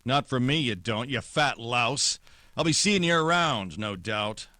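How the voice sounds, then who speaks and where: Guy doing tough noir private eye for a radio play, wry and terse, forceful bright voice, close dry sound. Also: medium pitch, expressive, measured pace, no room sound. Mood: scornful. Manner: terse, sardonic wisecracks. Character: hard-boiled, wry male private detective. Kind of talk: old-time radio noir acting and narration.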